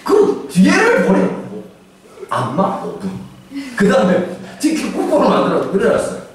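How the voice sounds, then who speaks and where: A pastor in his forties giving a humorous, animated sermon, now and then acting out voices and shouting for effect. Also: sits high, moderate pace. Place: church sanctuary. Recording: echoey church hall, distant mic, faint ambience.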